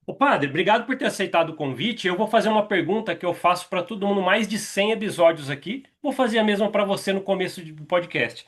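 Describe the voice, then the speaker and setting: A Brazilian podcast host with a quite high voice asks his guest questions. He keeps it friendly and chatty. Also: animated, fast, few pauses, a bit bright. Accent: Brazilian Portuguese. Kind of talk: interviewing a guest.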